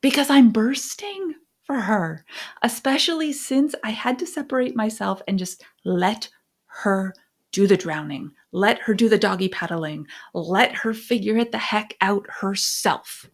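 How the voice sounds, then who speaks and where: A middle-aged American woman sharing personal stories and parenting advice as a podcast host, phrasing things emphatically with deliberate pauses. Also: mid-range voice, animated. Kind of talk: conversational advice and personal storytelling.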